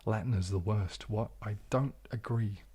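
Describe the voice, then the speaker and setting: A young man hosting a casual livestream Q&A, soft-spoken and often slipping into a whisper. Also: on the low side, normal speed, slightly rough. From New Zealand. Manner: soft-spoken, drifting into whispers, frequent restarts. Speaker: ASMR livestream host.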